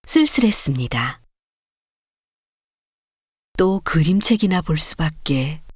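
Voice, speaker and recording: Woman reading stories for an audiobook, expressive and really melodic, dry close sound. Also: sits low, takes it slowly, slightly rough, no room sound. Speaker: audiobook narrator. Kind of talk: scripted storybook narration.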